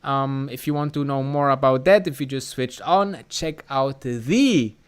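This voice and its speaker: Slow-talking German man on a live stream. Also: mid-range voice, clean tone. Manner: rambling, many fillers and restarts. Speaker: livestream host answering chat. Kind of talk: casual live stream chat.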